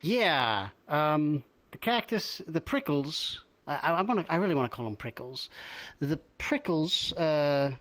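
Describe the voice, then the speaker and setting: A roleplayer speaking in character in an improvised conversation, hesitant, halting and polite. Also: medium pitch, sing-song, a bit bright, no room sound. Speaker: roleplayer in a virtual reality game.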